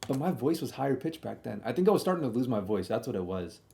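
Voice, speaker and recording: Young guy doing storytime on stream, mellow relaxed voice, slangy, kinda halting and repeats himself. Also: mid-range voice, creaky. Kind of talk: casual rambling storytime commentary over old videos.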